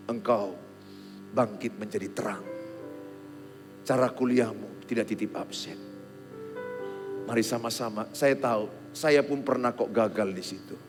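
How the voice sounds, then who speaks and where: A middle-aged pastor preaching a Christmas sermon in an animated way, swinging between loud exhortation and quiet, humorous storytelling. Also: male voice, lowish voice. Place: large church hall. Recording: long hall reverb with faint music.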